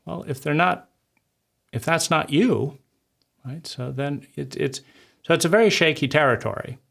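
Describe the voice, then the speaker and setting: A man's voice: fairly high pitch, normal speed, creaky, fairly bright tone. A man hosting his channel, casually critiquing a book's argument with restarts and repeated rhetorical "right?". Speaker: host critiquing a book. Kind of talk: casual spoken commentary.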